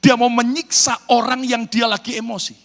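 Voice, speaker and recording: A man from Indonesia preaching a sermon as pastor, animated and calling out to his congregation. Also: extremely high pitch, moderate pace. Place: church hall in New York. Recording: reverberant church hall.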